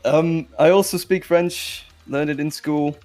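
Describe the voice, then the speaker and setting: A man's voice: a little high, fairly even intonation, a little slow, darkish tone, faint music behind. A man from Belgium with a Flemish accent, a Dutch speaker, chatting casually and self-deprecatingly as a cast guest. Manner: self-deprecating, apologetic, joking. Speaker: voice actor guest. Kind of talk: casual chat.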